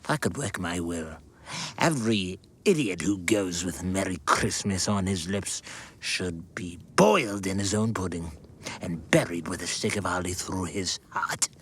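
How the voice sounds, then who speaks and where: A man's voice: sits low, measured pace, a bit bright, slight background noise. An actor playing a scornful, miserly old businessman in a theatrical radio drama. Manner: scornful, emphatic, contemptuous.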